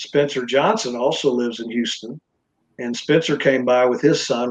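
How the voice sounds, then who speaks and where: A man with a Texan accent at medium pitch, fairly quick pace, and fairly even intonation. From Texas, Dallas. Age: 60s. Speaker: former strength and conditioning coach. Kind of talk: interview. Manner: halting.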